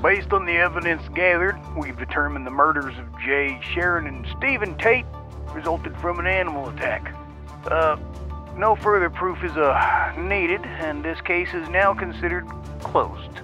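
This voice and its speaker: An actor playing a small-town official making a formal public statement in a radio drama. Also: male voice, fairly high pitch, a little slow, music in the background, close to an everyday voice. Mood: official, assured.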